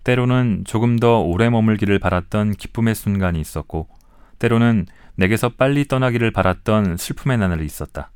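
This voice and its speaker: A man in his forties, an author reading his own essays aloud in a slow, measured, reflective way, pausing to talk to listeners between passages. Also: on the low side, darkish tone, smooth, no echo, studio quality. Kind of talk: calm literary reading aloud.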